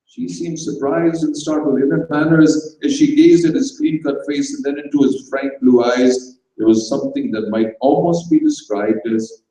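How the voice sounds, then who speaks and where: Male story reader, theatrical and measured, slightly high voice with a mellow tone, distant in a reverberant room. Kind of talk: dramatised comic short story reading for an audience. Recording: very echoey room, distant microphone.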